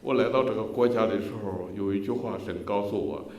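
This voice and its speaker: A man's voice: lowish voice, brisk, a little mellow. An impassioned male preacher from China gives his testimony in an echoey school hall. He calls out hallelujahs and amens as he speaks. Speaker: guest preacher giving testimony.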